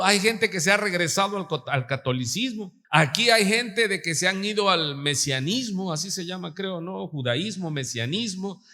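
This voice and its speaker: A man's voice: high-pitched, bright, forceful tone. A man with a Mexican Spanish accent preaching a sermon in a church, emphatic, repeating words and calling the listeners "brother". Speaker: pastor. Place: church sanctuary. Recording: long reverb from the church hall.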